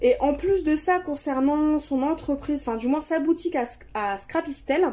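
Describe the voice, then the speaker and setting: Speaking at a fairly slow pace, a woman uses a high pitch with ordinary pitch variation. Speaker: scrapbooking YouTuber. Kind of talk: casual haul video. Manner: halting, with hesitations.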